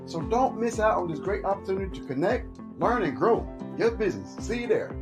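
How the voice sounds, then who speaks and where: Fast promo voice over loud music. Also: medium pitch, very animated. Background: guitar music.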